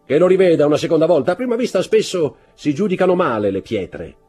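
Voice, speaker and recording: A man voicing a shrewd, calculating male jeweller who speaks calmly and coolly in an audiobook. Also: on the high side, quick pace, husky, faint music behind, pitched above the performer's own voice. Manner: calm, cool, calculating, sometimes murmuring.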